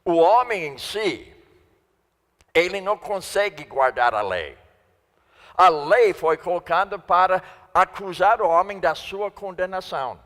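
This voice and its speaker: Preaching as a guest in a church sanctuary, a man gives a Portuguese sermon in a language not his own, hammering and repeating key phrases. He sits high in pitch, sounds animated and a bit bright, and keeps a measured pace, all wrapped in long church reverb.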